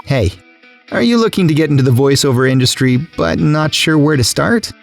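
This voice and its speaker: Male promo announcer, higher-pitched, lively intonation with vocal fry, scripted delivery over music. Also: a little fast.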